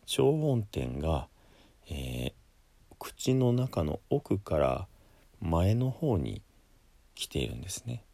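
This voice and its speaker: Low-voiced buddhist priest guy, super slow careful talk, dry close sound. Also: big pitch swings, creaky, dark tone, no echo. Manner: slow and measured, with frequent fillers. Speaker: Buddhist priest teaching pronunciation. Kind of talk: chanting, then spoken lesson.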